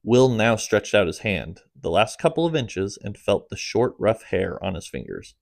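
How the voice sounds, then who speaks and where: A man tells his own comic audiobook in a fairly low, creaky voice at a normal, steady pace, with his voice sinking as phrases end. The sound is close and dry, with no room sound or echo.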